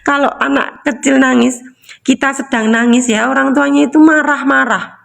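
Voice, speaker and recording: Woman coach, casual talk, fairly high voice, keeps asking rhetorical questions. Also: steady tone, moderate pace, creaky, fairly bright tone. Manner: repetitive, asks rhetorical questions. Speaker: emotional release coach. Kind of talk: casual teaching talk to viewers.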